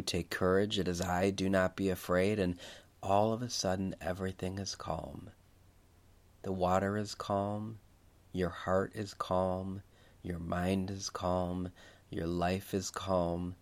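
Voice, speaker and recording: A man speaking as a preacher leading a guided Christian meditation, reflective and unhurried, repeating phrases for emphasis. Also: deep voice, darkish tone.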